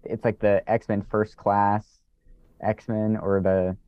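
Man, video call audio, lower voice, dull lo-fi sound, dry, basement, casual chat with restarts. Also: takes it slowly, smooth, dry recording. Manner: relaxed, hesitant restarts. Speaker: podcast co-host. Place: home basement.

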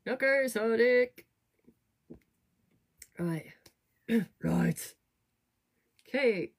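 A woman hosting a fitness studio livestream, chatting casually to viewers in a slightly croaky, rough voice, rambling with lots of fillers. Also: fairly high pitch, expressive, drawn-out words. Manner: chatty, rambling, self-deprecating, many fillers. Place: home, at a desk. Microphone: webcam or computer mic at a desk.

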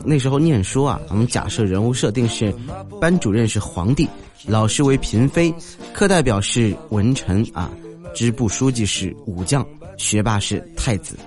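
A young man tells funny stories in an animated monologue, and his voice rises and falls in a very lively way. He keeps a middle pitch and often slides into character voices. Faint music plays under him. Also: moderate pace. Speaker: comedic storyteller. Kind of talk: comic monologue.

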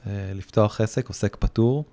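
Low-voiced hesitant man, casual chat. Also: creaky, mellow. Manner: hesitant, many restarts and fillers. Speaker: guest, surfboard repairer. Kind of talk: casual podcast conversation.

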